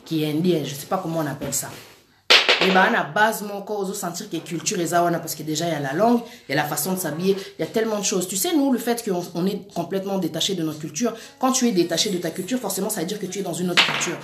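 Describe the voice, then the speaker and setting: A woman's voice: lowish voice, quick pace. A woman giving an earnest, urgent preaching-style talk, speaking straight to her listeners as sisters and brothers. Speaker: Christian speaker. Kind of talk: exhortative preaching-style monologue. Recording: echoey room with faint music. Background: faint background music.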